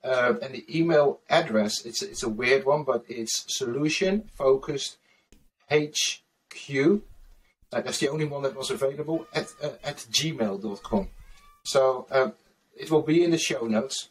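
A man in his forties with a Dutch accent talks earnestly over a video call, pausing often on "uh". His voice sits at an ordinary middle pitch. It is picked up from a distance by a webcam mic in a small room. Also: breathy edge. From Netherlands. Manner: earnest, many "uh" fillers. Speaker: guest, solution-focused trainer. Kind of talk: casual video-call interview.

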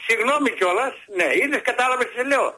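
Older man, radio caller, rambling, insistent, high, bright. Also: rough recording. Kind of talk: phone-in call.

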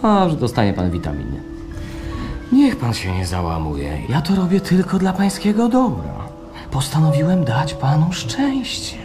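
A man's voice: on the high side, wildly swooping pitch, moderate pace, music in the background. A man in a radio play playing a persistent, patronizing official who coaxes his captive with insistent, repetitive urging. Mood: patronizing resolve. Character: pushy, persistent male bureaucrat of happiness, smugly coaxing his captive. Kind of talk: live radio play acting.

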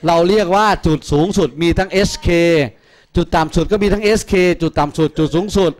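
Guy tutoring math in a classroom, slightly high voice, cracks crude jokes at students. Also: a little fast, a little mellow. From Thailand. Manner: joking, crude, teasing students. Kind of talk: classroom lecture.

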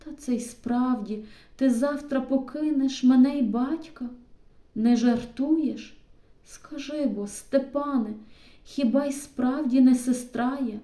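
A woman's voice: high-pitched, slow, dark tone, echoey room, voice pushed up. Woman voicing a tearful village girl. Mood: flustered. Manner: pleading, emotional.

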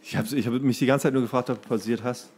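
A man's voice: mid-range voice, fairly even intonation, fast, a little mellow, husky. A man co-hosting a casual podcast, reading entries aloud and now and then stumbling over the words. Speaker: podcast co-host.

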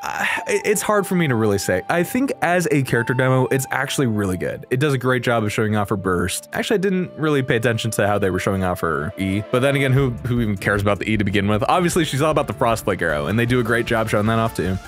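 A young man giving casual, excited reaction commentary, gushing in slangy, lightly sweary speech. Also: medium pitch, fast, hardly any pauses, faint music behind. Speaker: video creator reacting to game trailers.

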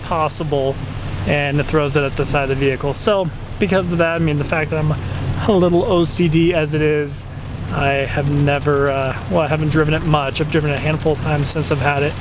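A man's voice: on the high side, fairly even intonation, brisk. A man hosting a car vlog, chatting casually while driving his truck, rambling with lots of fillers and restarts. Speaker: car channel host. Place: inside a pickup truck driving in the rain. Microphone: camera mounted in the cab. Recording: rain drumming on the truck. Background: rain and road noise.

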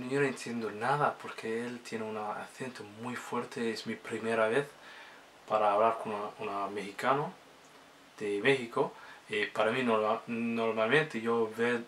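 With a mid-range, slightly bright voice, a man vlogs casually in a language he's still learning, his first language being Somali. His delivery is halting, with many restarts, and there's slight background noise.

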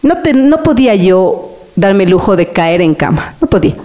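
A woman's voice: big pitch swings, moderate pace, dark tone. A middle-aged woman preaching a charismatic Catholic sermon, telling her own story with emotional swings and calling listeners her brothers. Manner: emotional, pitch jumps up and down for emphasis.

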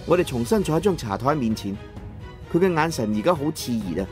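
A man narrating an audiobook in the first person in Cantonese, with colloquial, expressive dramatic storytelling. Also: mid-range voice, brisk, faint music behind.

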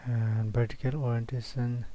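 A man narrating a screen-recorded web design tutorial, talking through each click in short, halting phrases and correcting himself. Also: mid-range voice, flat delivery, dark tone, rough recording.

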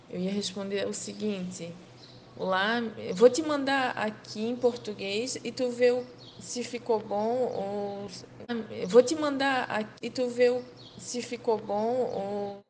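A woman's voice: mid-range voice, a little hiss or hum. A woman from Santa Catarina with a southern Brazilian accent, leaving a rambling, tearful but happy voice message. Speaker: client sending a voice message. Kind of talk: WhatsApp voice message.

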